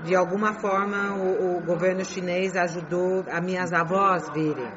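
A middle-aged woman whose first language is Chinese, answering interview questions in a halting way, repeating phrases and restarting words. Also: on the low side, steady tone, background noise. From grew up in Beijing, China. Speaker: interview guest. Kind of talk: conversational interview. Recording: muffled with crowd murmur behind.

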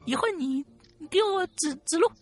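A man voicing a sleazy middle-aged male cab driver who wheedles in a high, coaxing voice. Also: lively intonation, a little fast.

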